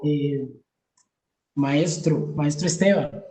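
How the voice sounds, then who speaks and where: Male moderator, effusive and emphatic, mellow slightly high voice, echoey room sound. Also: slow pace. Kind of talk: moderating a panel.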